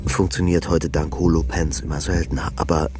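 An actor playing a world-weary, sardonic, depressive investigator, narrating a science-fiction audio drama in the first person with terse muttering. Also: male voice, rumbling low, little pitch movement, brisk. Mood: tense, hushed. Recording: loud music under the voice.

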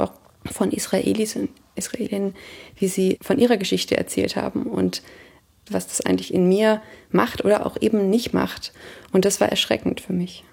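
A woman in her thirties from Germany, speaking thoughtfully in an interview, pausing and searching for words. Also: mid-range voice, vocal fry, a little mellow, breathy edge. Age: 30s. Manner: thoughtful, searching, pauses with hesitations. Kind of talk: reflective personal interview.

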